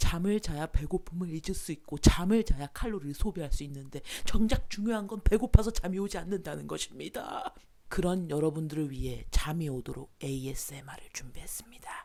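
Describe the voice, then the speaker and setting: A woman's whisper at a fairly quick pace. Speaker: diet YouTuber who runs a diet channel. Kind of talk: casual talk to camera, humorous ASMR parody. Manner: loud, failing to whisper, humorous.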